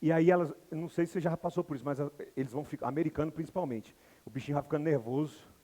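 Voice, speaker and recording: A man's voice: on the high side, rapid-fire, big-room sound. A man from Brazil teaching English to a live audience, telling stories animatedly and acting out the people in them. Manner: animated storytelling, acts out characters. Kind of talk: lively lecture with acted anecdotes.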